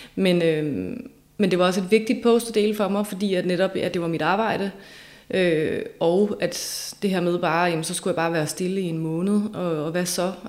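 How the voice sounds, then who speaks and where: At a moderate pace, a woman speaks with a normal speaking voice, medium pitch and fairly even intonation. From Denmark, South Zealand. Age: 40s. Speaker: Instagram influencer. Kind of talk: casual interview chat.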